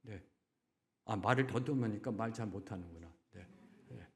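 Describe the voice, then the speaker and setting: A man's voice: on the low side, normal speed, gravelly. A middle-aged man preaching a sermon as pastor, often affirming with short fillers and asking the congregation questions, now and then acting out quoted voices. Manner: acts out brief quoted voices, at times shouting.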